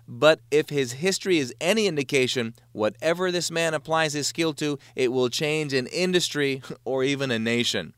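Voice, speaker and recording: A man's voice: fairly high pitch, moderate pace, few pauses, fairly bright tone, smooth, no room sound. A man with a Jamaican accent hosting an interview, reading an upbeat admiring introduction and then asking questions. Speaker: interview host.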